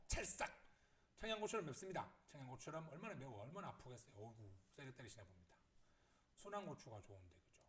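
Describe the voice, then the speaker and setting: A male teacher, explaining pupils' poems in an animated way and keeping on asking the viewer to agree. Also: a little high. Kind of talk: lesson video, reading and explaining pupils' poems.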